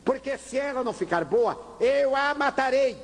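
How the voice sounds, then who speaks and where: A man's voice: very high voice, expressive, moderate pace, pitched above the performer's own voice. A man voicing an impatient, insistent middle-aged father who pleads and pushes to be seen first, inside a told story. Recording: reverberant lecture hall, faint hiss.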